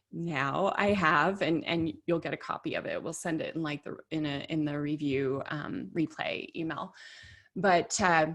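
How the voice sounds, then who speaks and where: A woman leading a workshop in a chatty, conversational storytelling manner, often saying "like" and correcting herself mid-sentence. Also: fairly low pitch. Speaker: workshop leader.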